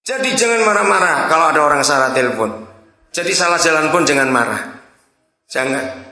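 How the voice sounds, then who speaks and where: A male preacher telling stories from the pulpit and voicing each person in them. His pitch swings widely and his tone is bright and forceful. The sound rings around an echoey church hall. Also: fairly quick. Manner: storytelling, animated, acts out dialogue. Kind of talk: sermon.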